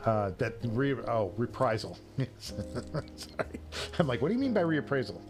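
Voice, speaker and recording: A man's voice: medium pitch, sing-song, a little slow, music in the background. A man hosting a casual livestream, chatting with viewers in a self-deprecating, joking way. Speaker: livestream show host. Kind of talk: casual chat answering viewers' live comments.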